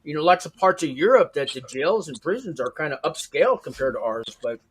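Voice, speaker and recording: A man hosting a casual conversation, chatty and quick to share anecdotes. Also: fairly high pitch, sing-song, fairly bright tone, husky, rough recording. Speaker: host.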